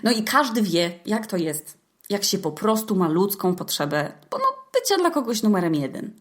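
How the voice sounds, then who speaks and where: A woman's voice: medium pitch, big pitch swings, normal speed. A young woman hosting a podcast as a chatty, colloquial, playful monologue with some mock drama. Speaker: podcast host. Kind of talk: casual humorous monologue to listeners.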